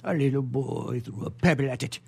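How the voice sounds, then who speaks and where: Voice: medium pitch, moderate pace, vocal fry, warm tone, husky. An actor playing a tipsy, one-eyed gypsy man who rambles comically in a radio theatre melodrama. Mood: tipsy, boastful.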